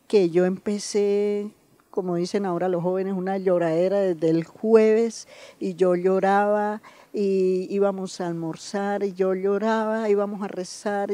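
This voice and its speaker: An older woman gives a personal testimony, telling her story in a lively way and acting out the people she quotes. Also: medium pitch, no echo. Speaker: community member giving testimony.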